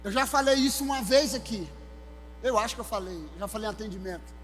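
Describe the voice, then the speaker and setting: A male pastor with a Maranhão accent, preaching a sermon with animated, exclamatory storytelling. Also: sits high, quick pace, slight background noise. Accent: Maranhão, Brazil. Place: church sanctuary. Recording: hall reverb with soft music.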